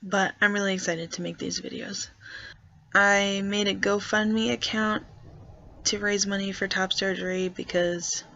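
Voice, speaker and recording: A young trans guy talks slowly and hesitantly in a casual vlog, with a gravelly, creaky edge. He deliberately pushes his voice lower as he speaks. The recording sounds dull and lo-fi. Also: flat delivery, no room sound. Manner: hesitant, soft-spoken, consciously pitching voice lower. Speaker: vlogger.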